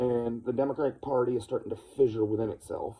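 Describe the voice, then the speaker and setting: This man talks at a very fast pace in a medium pitch with fairly even intonation. His tone is dark and mellow. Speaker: video blogger. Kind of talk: casual monologue. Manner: halting, with many restarts.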